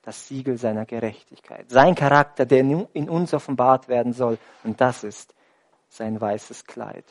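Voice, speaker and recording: A male preacher in the middle of a sermon, his voice sitting at an ordinary middle pitch. He throws rhetorical questions at the congregation and moves from forceful, raised emphasis down to a hushed near-whisper. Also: normal speed. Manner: dramatic swings from loud emphasis to near whisper.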